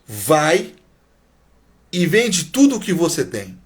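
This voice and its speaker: A man's voice: a little high, wildly swooping pitch, slow, slightly rough. A man preaching a sermon, stressing points by repeating them and sometimes sinking to a near whisper. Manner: emphatic, repeats key phrases, drops to a near whisper.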